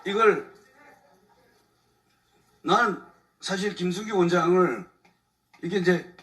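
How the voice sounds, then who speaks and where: Male lawyer at a church testimony, high bright voice, chuckling, casual and aggrieved, picked up by a distant mic. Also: slow. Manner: colloquial, chuckles often, aggrieved storytelling. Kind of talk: animated testimony talk. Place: church evening service before a congregation.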